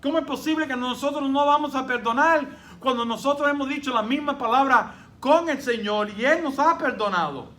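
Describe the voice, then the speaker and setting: High-pitched, bright-voiced male pastor preaching. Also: normal speed, few pauses. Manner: emphatic preaching, rhetorical questions; voices imagined congregants in quotes. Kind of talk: sermon.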